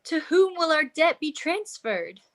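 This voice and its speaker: An actress playing an anxious wife facing ruin, earnest, in a radio drama. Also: female voice, high voice, big pitch swings, measured pace, full character voice.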